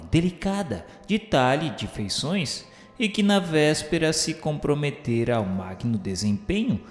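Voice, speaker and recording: A Brazilian man giving solemn, declamatory narration of a religious radio novel in literary language. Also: mid-range voice. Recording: long reverberant hall sound, music behind. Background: soft instrumental music.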